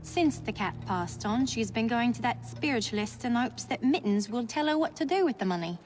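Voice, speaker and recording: A woman's voice: fairly high pitch, expressive, a little fast, faint music behind, close to an everyday voice. An actress playing a woman informant who explains things in a matter-of-fact way. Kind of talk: video game cutscene acting.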